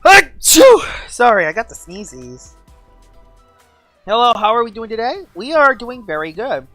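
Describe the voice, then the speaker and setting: Woman streamer, gushing and chatty; animated delivery, dry close sound. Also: fairly high pitch, moderate pace, no room sound, soft background music. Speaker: game streamer. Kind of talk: casual live-stream chat.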